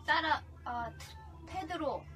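A woman from South Korea with a high voice chats casually as a podcast co-host. She plays the learner, playful and self-deprecating. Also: takes it slowly, fairly bright tone.

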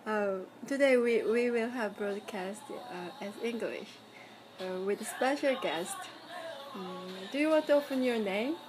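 A woman's voice: mid-range voice, crowd noise, low-quality recording. A Korean woman hosting a podcast in English, her second language, speaking hesitantly with frequent small laughs. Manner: slow, hesitant, laughs often. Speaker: podcast host. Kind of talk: casual conversation.

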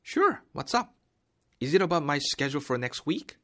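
A man reading the part of a cheerful young worker in a textbook dialogue, lifting his voice higher. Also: extremely slow, full character voice. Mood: excited. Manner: bright, excited lines.

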